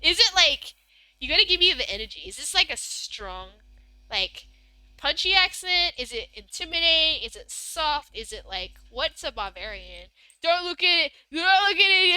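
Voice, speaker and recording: A woman's voice: high-pitched, pushed and bright, dry recording, rough recording. A young Australian woman streaming live, chatting casually and reading messages from chat in a bubbly, giggly, rambling way.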